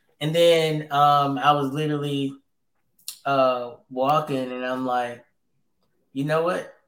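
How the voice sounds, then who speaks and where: In an Alabama accent, a man speaks at a very slow pace and a fairly high pitch, his intonation monotone and flat, with long, frequent pauses. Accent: Southern US (Alabama). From US South, Tuscaloosa, Alabama. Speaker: Marine drill sergeant. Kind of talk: casual chat.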